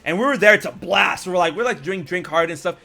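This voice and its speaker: A young American man hosting a podcast, telling a story in casual chat and acting out quotes with sudden loud jumps. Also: sits high, lively intonation, fast, vocal fry. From United States. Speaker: podcast host.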